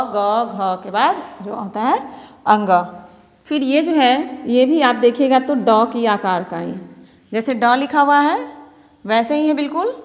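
A woman teacher with an Indian accent, slowly spelling out letters one by one in a nursery alphabet lesson. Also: high-pitched. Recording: long hall reverb.

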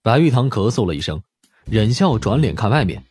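Low-voiced male story narrator, very animated. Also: a little fast, slightly rough, no echo. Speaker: audiobook narrator. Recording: music behind the voice.

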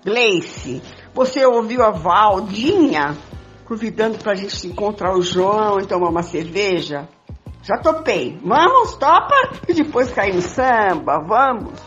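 A woman's voice: mid-range voice, expressive, measured pace, close to an everyday voice. An older Brazilian woman playing a fun-loving, mocking friend in an amateur radio soap. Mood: eager. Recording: muffled voice clip with faint music.

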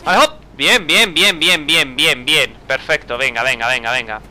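Young man, gaming commentary, frustrated muttering and cursing, bright clear voice, animated pitch. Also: normal speed. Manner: exasperated, swears often, talks to himself. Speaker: gameplay commentator. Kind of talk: casual let's-play commentary.

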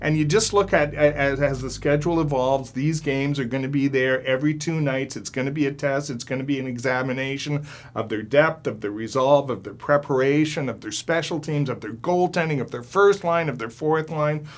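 A man's voice: medium pitch, brisk. Older male columnist, emphatic, stuttering starts. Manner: emphatic, repeats words when starting. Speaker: sports columnist. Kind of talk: sports panel discussion. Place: studio with panel seated on stools.

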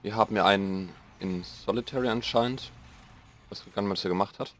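A young man with a slightly hoarse voice, rambling casually through gameplay commentary and mocking himself as he goes. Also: on the low side, brisk, a bit bright. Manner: rambling, self-mocking, thinking aloud. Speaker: let's play host.

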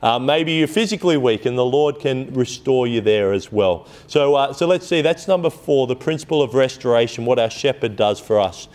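A man's voice: medium pitch, normal speed, hardly any pauses, a little mellow. A man preaching an evening sermon to a congregation, retelling stories in a casual, rambling way with asides and restarts. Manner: conversational storytelling with frequent asides and restarts.

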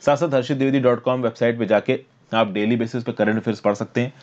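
A young man lecturing for exam prep over slides, explaining step by step and reading legal text slowly. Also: medium pitch, steady tone, a little mellow, highs cut off. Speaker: current affairs teacher.

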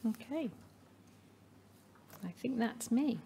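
A woman at a podium reading out election results in a measured, formal way. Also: a little high, lively intonation, mellow, a little hiss or hum. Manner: measured, reading names slowly. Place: meeting hall. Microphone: podium microphone.

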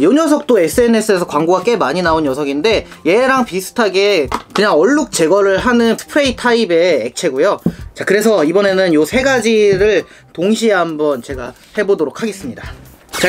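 A young man giving casual, animated hands-on product testing commentary, thinking aloud as a review host. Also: sits high. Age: young adult. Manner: animated, conversational, thinking aloud while working. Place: small room indoors, seated at a table.

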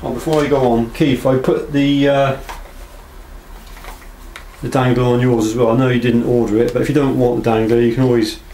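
In a casual, unscripted show-and-tell, a man presents knives he made inside a small workshop with block walls, talking hesitantly and understating things. His warm, mid-range voice barely moves in pitch and runs fairly quick. The low-quality camera audio carries clear background noise.

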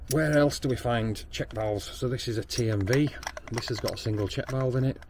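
A man's voice: on the low side, noisy background. A man with a Northern English accent giving a practical plumbing training demonstration at a workshop bench, explaining step by step with frequent ums and restarts. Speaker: plumber and backflow tester.

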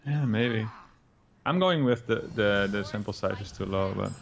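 A young Dutch man with a Dutch accent, talking through a card game as a guest co-player, thinking aloud with quick restarts. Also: on the low side, creaky. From Netherlands. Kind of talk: casual game commentary.

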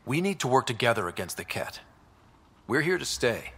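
An actor playing a loyal, easygoing young human space explorer in a video game, plainspoken and supportive. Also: male voice, medium pitch, sing-song, moderate pace, bright, forceful tone, slightly rough, full character voice. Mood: sincere. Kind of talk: cinematic video game acting.

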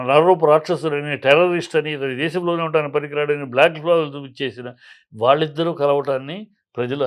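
A man argues in a heated political interview, his voice sitting a little high. He hammers home rhetorical questions, repeating them with force. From Andhra Pradesh. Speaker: political guest.

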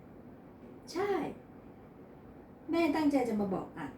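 A woman's voice: drawn-out words, warm tone, slight background noise. A woman voicing a stern, bossy wealthy matriarch in a read-aloud novel, recorded in an echoey room from a distance. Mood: scolding. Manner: scolding, bossy.

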